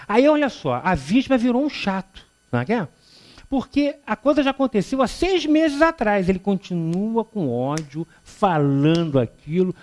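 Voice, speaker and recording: A man in his fifties with a Rio de Janeiro accent, giving a public spiritist talk as a lecturer, joking and acting out little dialogues as he tells stories. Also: high-pitched. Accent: Carioca Brazilian Portuguese. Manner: animated, joking storyteller who acts out dialogue. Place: lecture hall before an audience.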